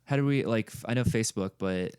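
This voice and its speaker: A man who trains people in fitness, speaking as a podcast guest. His voice sits a little low. He talks casually and bluntly, friendly and loose. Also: fast, darkish tone, clear, resonant tone, dry recording, studio quality. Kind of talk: casual conversation.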